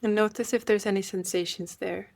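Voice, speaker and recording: Woman softly guiding a meditation. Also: mid-range voice, fairly even intonation, vocal fry. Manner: gentle, unhurried, with long pauses. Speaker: meditation guide and host. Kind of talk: guided meditation.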